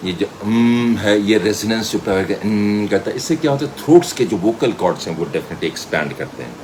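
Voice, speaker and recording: A man's voice: fairly low pitch, expressive, brisk, a little mellow, a little hiss or hum. An Indian man giving a theatrical voice-training lesson as a trainer, switching between Hindi and English and telling stories to demonstrate. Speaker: media school voice trainer.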